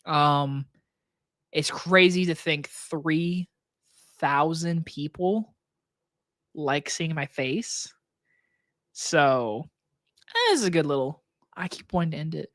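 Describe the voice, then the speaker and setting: A man with a scratchy, hoarse throat hosting a casual live stream Q&A from his desk, talking loosely with plenty of likes and restarts into a microphone on a boom arm. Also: slow, long pauses, fairly bright tone, dry recording, studio quality. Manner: loose, rambling talk with many likes and restarts. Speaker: movie reviewer and channel host. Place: home desk setup.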